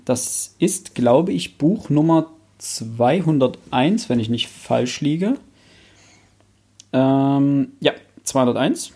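A man's voice: medium pitch, dark tone. A young man hosting a casual book discussion, thinking aloud in a hesitant, self-correcting way. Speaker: podcast host.

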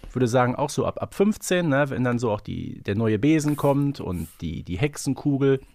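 A man's voice: medium pitch, animated, moderate pace, a little mellow, dry recording. Musing man, close dry sound. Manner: musing, thinking aloud. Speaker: podcast co-host. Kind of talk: casual fan podcast discussion.

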